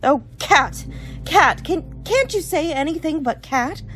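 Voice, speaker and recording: A woman playing a chatty, brisk college girl in a radio horror drama. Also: sits high, lively intonation, a bit bright, soft background music, heavily acted. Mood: impatient, dismissive. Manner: chatty, colloquial.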